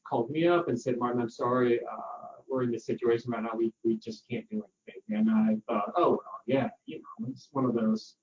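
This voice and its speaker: A man's voice: mid-range voice, expressive, a little fast, hardly any pauses. A middle-aged Danish-accented man, a parasitology researcher, telling a chatty story with lots of fillers and acted-out dialogue. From Denmark. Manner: chatty, acts out quoted dialogue, frequent fillers. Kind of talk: relaxed anecdotal storytelling. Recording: roomy distant muffled audio with faint ambience.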